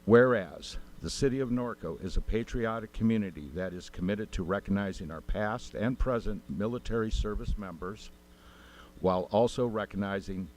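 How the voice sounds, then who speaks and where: Mayor reading a formal proclamation, low voice. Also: male voice, a little hiss or hum, rough recording. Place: city council chamber.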